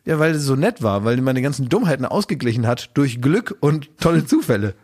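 A man hosting a relaxed talk show chat. He rambles and restarts his sentences as he thinks aloud, at a middle pitch. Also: a little fast. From Oldenburg, northern Germany. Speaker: podcast host. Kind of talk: casual chat.

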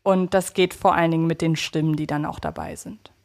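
A woman's voice: sits low, steady tone, a little fast, creaky. A woman co-hosting a podcast, casually discussing audio dramas and reflecting on her personal opinions. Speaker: podcast co-host.

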